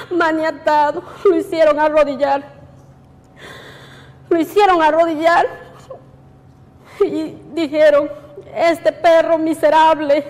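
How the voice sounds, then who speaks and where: A woman with a very high, thin voice gives testimony at a public hearing. She speaks in a halting, grief-laden way. Her words ring out with a long reverb from a large hall. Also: a little mellow. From Peru. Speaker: witness giving testimony.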